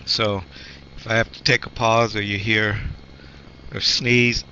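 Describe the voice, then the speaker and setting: A man who is a pastor, coming down with a cold, teaching a Bible study in a slow, halting way, clearing his throat often. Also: on the low side, level tone, sharp tone. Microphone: handheld microphone. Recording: muffled lo-fi recording with faint noise.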